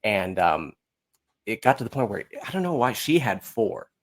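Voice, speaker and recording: A man's voice: fairly low pitch, very animated, moderate pace. A man speaking as a podcast guest, telling anecdotes in a candid, casual way with a blunt, self-mocking manner and acting out quoted remarks.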